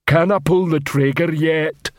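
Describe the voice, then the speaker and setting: A man voicing a hulking, slow-witted storybook troll who rumbles slowly in simple broken grammar. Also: steady tone, dry recording, studio quality, close to an everyday voice. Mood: dim eagerness.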